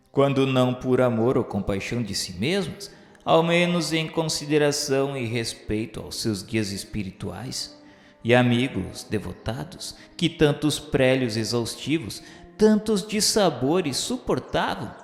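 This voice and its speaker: A man reading a spiritist radio novel aloud in a formal, measured, grave manner. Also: mid-range voice, roomy sound, long reverb tail. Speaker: narrator. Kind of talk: solemn scripted narration of a spiritist radio novel.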